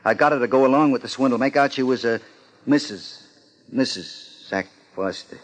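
An actor playing a nervous small-time swindler in a 1950s radio drama, with plain, slangy talk. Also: male voice, mid-range voice, normal speed, lightly acted. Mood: uneasy, confessing.

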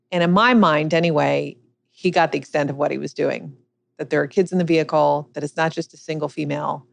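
A woman's voice: low-pitched, creaky. A middle-aged woman, a business coach and author, earnestly recounting a personal story as a podcast interview guest.

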